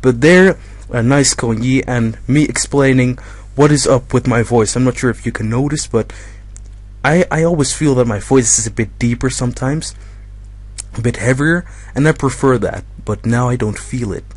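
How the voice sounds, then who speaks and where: A young man commentating his own game in a casual, rambling way, his voice slightly hoarse from being a bit ill. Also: medium pitch, normal speed, no echo. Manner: chatty, rambling, self-correcting. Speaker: gaming commentator.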